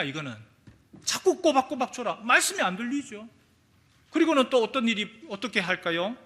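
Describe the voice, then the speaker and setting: Male pastor, sermon delivery; lively, swooping pitch, storyteller who acts out quotes. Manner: animated storytelling, acting out quotes. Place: church sanctuary.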